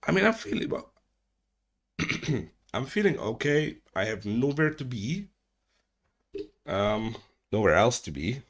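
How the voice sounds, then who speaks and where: A man's voice: mid-range voice, very animated, takes it slowly, long pauses. A man from Hungary, chatting casually with viewers on a livestream from home, rambling, restarting his sentences and swearing freely. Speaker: streamer hosting a chat hangout.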